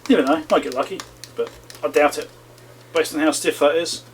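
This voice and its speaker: A man's voice: a little high, brisk, slight background noise. A man hosting a repair video, casually talking himself through the work with chatty asides to viewers. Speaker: electronics repair channel host. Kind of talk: casual running commentary while repairing.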